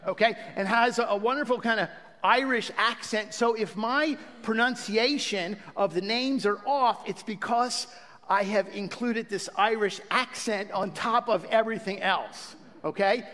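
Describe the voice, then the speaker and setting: A man's voice: high-pitched, measured pace. A man speaking as pastor to his congregation, welcoming them and leading a prayer. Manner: warm pastoral address with fillers and restarts. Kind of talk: church sermon introduction and prayer. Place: church sanctuary. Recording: church hall reverb.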